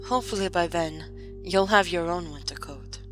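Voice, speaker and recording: Music plays clearly behind a woman playing a young noblewoman in an audio drama. She speaks low, with formal, composed phrasing and a dry, gently teasing edge. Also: moderate pace, lightly acted. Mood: playful. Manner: formal wording, dryly playful. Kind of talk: fan audio drama acting.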